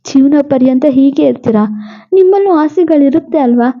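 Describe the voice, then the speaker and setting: A woman voicing a gentle, loving young wife who is dying and speaks in a soft, pleading way. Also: high voice, moderate pace, phone-quality sound. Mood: sad pleading.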